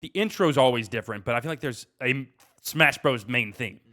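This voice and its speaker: A man's voice: mid-range voice, brisk, pushed and bright. A man co-hosting a casual gaming podcast, talking in choppy phrases as he rephrases and qualifies his points. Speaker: podcast co-host.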